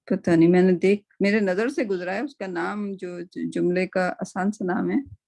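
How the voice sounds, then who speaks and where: A woman's voice: lowish voice, fairly even intonation, vocal fry, darkish tone. A woman teaching an online class, casual and chatty, mixing English phrases into her speech and often checking in with her students. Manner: casual, chatty, mixes English into speech, keeps asking "right?". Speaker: Quran and Arabic teacher.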